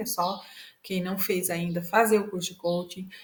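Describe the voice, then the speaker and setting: A woman's medium-pitched voice holds a fairly even intonation, with audible echo from the room around her. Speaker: therapist and course teacher. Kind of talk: lecture. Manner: steady, even pace; slow, deliberate.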